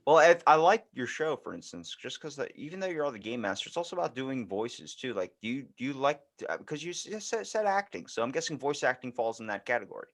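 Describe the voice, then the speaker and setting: A man's voice: medium pitch, big pitch swings, fast talker, few pauses. A man hosting a podcast, chatting and joking casually in a blunt way with plenty of swearing. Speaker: podcast host. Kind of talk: casual, joking interview chat.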